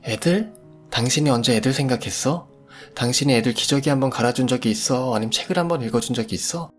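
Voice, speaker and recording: A fed-up older mother-in-law speaks out bitterly, as a male reader lifts his voice to play her. The tone is pushed higher than his own over faint background music. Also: fairly quick, lightly acted. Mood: accusing. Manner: accusing, then tearful and resigned. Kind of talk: storytelling radio drama voice.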